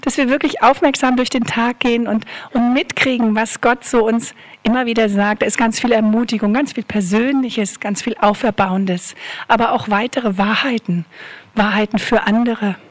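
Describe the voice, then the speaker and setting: A woman's voice: on the high side, fairly even intonation, normal speed. A woman preacher giving an earnest sermon who repeats her key phrases.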